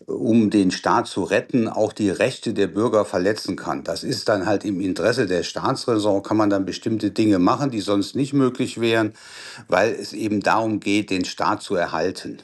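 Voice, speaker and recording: A man, a law professor, answering interview questions in a deliberate, explanatory way with some hesitations. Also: fairly low pitch.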